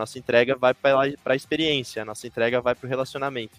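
A man speaks very fast in a fairly high voice. The sound is dry and close, with no echo. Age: 20s. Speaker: creative director of a content agency. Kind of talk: casual interview chat.

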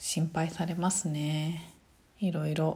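A woman speaks very slowly in a flat, monotone delivery with a somewhat breathy quality. Her tone is dark and mellow, and her pitch sits fairly low. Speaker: solo podcaster. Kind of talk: casual solo monologue. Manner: unedited, with pauses and fillers.

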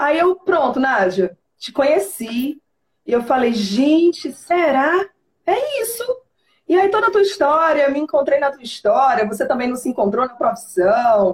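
Speaking at a fairly slow pace, a woman with a high pitch makes very wide pitch swings and big swings in loudness. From Ceará, Brazil (Fortaleza area). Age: 30s. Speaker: voice-over artist. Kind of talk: casual interview.

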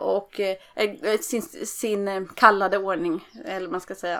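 The speaker is a woman with medium pitch. She has a normal speaking voice. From Sweden, Östergötland. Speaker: theologian and nurse. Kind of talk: interview. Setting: outdoors, small garden room at a cottage.

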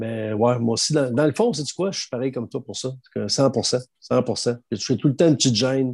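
Talking at a fairly quick pace with long, frequent pauses, a man keeps a medium pitch and ordinary pitch variation. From Quebec, Mauricie. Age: 50s. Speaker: sports journalist. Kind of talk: casual interview.

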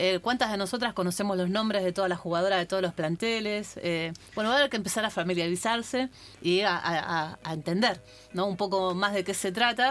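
A woman's plain, everyday voice at medium pitch, fairly quick in pace, with ordinary pitch variation. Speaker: radio host. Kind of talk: casual chat. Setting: studio.

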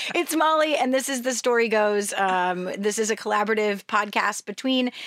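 With an unremarkable speaking voice, a woman talks at a fairly quick pace and fairly high pitch with lively intonation, on a very clean recording with a silent background. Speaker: podcast host. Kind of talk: casual interview chat.

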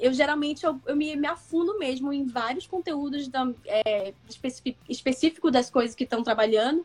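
A woman with a northern Brazilian accent speaks in a high pitch. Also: ordinary pitch variation, moderate pace. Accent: northern Brazilian (Manaus). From Manaus, Amazonas, northern Brazil. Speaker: comics editor and YouTuber. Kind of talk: interview.

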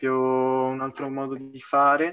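A man's bright, sharp voice at medium pitch, at a very slow pace. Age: young. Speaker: parkour athlete. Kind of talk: casual chat.

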